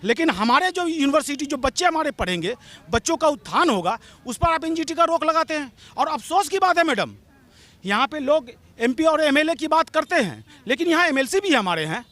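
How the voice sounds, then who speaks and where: A man's voice: very high voice, big pitch swings, a little fast, fairly bright tone. A man giving an impassioned, argumentative street interview, pressing his demands and repeatedly calling the interviewer madam. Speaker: local political supporter interviewed.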